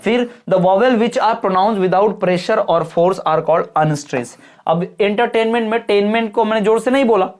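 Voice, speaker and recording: A woman teacher giving an exam-prep lecture. She reads English definitions slowly, explains them, and often stops to check that her students understand. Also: medium pitch, a little mellow. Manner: keeps checking understanding with quick questions.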